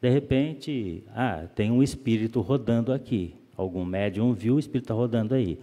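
A man giving a calm, explanatory spiritist lecture, often asking rhetorical questions. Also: mid-range voice, normal speed. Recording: long reverb of a hall.

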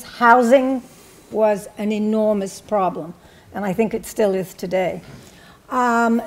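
An older woman from England, a panelist, speaking in a reflective, measured way about her past, with frequent ums and restarts, in a university hall. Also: a little high, a little mellow. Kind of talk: personal recollection at a panel talk. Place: university hall with a seated audience.

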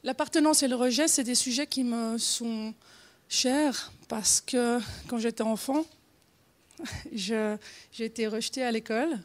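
A woman's voice: a little high, a little slow. A woman in her forties with a Genevan Swiss French accent, giving an informal conference talk with many fillers, restarts and small laughs. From Switzerland. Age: 40s. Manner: hesitant, frequent fillers and restarts, laughs often. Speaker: conference speaker.

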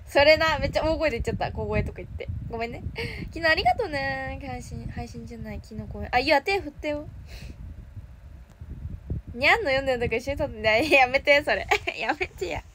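A woman's voice: high voice, animated, a little fast, a bit bright. A woman with a Kansai accent, chatting casually on a livestream, reading and thanking viewer comments. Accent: Kansai Japanese. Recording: noisy background.

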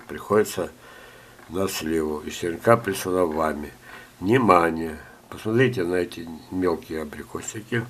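Older male gardening teacher, low-pitched, coughing, chatty with jokes. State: ill, coughing. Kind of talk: screen-share talk reading viewer letters.

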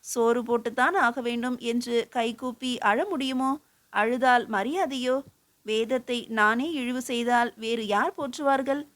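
A woman's voice: a little high, unhurried, a bit bright. Humble young scholar guy, earnest and polite, woman reading him. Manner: respectful, earnest pleading.

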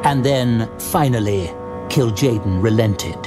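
A man narrates a fantasy tale in a dramatic, scripted style. His voice is of medium pitch, with music playing clearly behind it. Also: takes it slowly.

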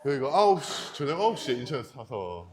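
A man's voice: medium pitch, big pitch swings, a little fast. A male bodybuilder speaking bluntly and dryly in casual chat between sets at the gym.

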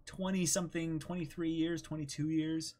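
A man's voice: on the high side, little pitch movement, normal speed, darkish tone. A man in his twenties chatting casually as co-host of a livestream. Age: 20s. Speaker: streamer and co-host. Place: small room, indoors.

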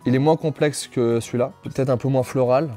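A man's voice: medium pitch, steady tone, warm tone, faint music behind. A man in his thirties hosting, chatting casually in a playful, teasing way, in a small room. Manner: playful teasing, quick banter. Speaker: host. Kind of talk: casual joking chat.

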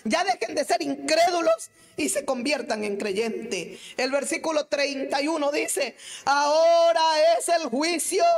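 A woman evangelist preaching a sermon, swinging between fervent shouting and soft, prayerful murmurs. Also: sits high. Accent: Latin American Spanish.

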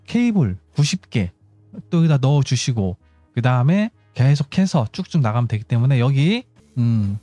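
A man's voice: fairly high pitch, warm tone, dry recording. A man giving casual game tutorial commentary, explaining step by step and thinking aloud as he goes. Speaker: gaming channel host.

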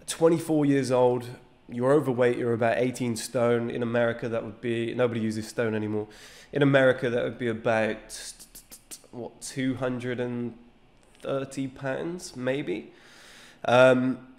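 A man's voice: mid-range voice, darkish tone. A man in his thirties, a fitness channel host, talking to camera with a nasal voice from a cold, earnest and gesturing as he explains. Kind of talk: direct-to-camera talk. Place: small indoor studio room. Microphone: studio microphone on a desk stand.

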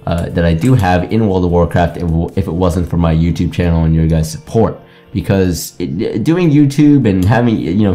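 A man's voice: deep voice, warm tone. A young Greek-born man with an American accent, chatting casually and rambling over his own gameplay, full of fillers and restarts. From Greece. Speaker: gaming YouTuber.

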